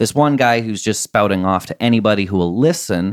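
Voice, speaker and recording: In a plain, everyday voice, a man speaks at a fairly low pitch with ordinary pitch variation, the sound dry and close with no echo, very clean, against a silent background. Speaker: podcast co-host. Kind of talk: casual chat. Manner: joking.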